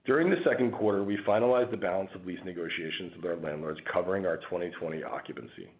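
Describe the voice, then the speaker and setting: Dull-sounding, low-voiced man reading formally. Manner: formal, measured reading of figures. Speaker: company finance executive. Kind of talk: scripted earnings-call presentation. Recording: dull, lo-fi conference call audio.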